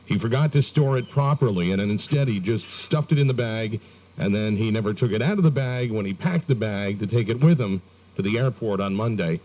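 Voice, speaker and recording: An American man hosting morning radio, reading news with wry, joking asides in a deadpan delivery. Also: lowish voice, a little fast. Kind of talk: comic news banter on rock radio. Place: radio studio. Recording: narrow-band 1990s radio aircheck.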